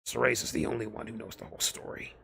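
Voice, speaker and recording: A man voicing a gruff, laconic old soldier in a fan fiction reading. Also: medium pitch, level tone, fast talker, a bit bright, heavily acted. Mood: terse.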